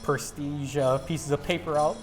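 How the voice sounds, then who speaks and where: A man's voice: a little high, fairly even intonation, normal speed, music in the background. Young male host, casual and upbeat, chatty interviewer. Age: young adult. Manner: upbeat, laid-back, lots of fillers and laughs.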